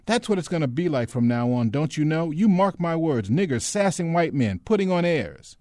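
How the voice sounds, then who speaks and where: A man voicing a hot-tempered young white soldier boy in an audiobook, with a high, shaky, menacing voice. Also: moderate pace, darkish tone, no echo, studio quality, close to an everyday voice. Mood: furious, indignant. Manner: indignant, menacing.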